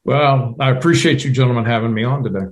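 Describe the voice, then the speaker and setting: A man, being interviewed on the radio. His voice sits in a medium pitch, and he tells his story slowly, with a plain, folksy manner and lots of small pauses. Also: steady tone. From Louisiana. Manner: unhurried, folksy, with frequent "uh" pauses. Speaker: general manager, interview guest.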